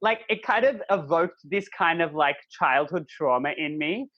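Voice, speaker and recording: Animated man co-hosting a podcast chat. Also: moderate pace, dull audio. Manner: animated, acts out quotes with jumps in pitch. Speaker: podcast co-host. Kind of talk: casual chat.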